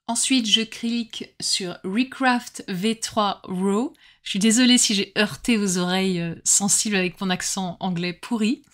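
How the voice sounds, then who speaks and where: A woman hosting a step-by-step crafting tutorial, explaining each stage clearly in a friendly, instructive way. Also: fairly high pitch, fairly bright tone.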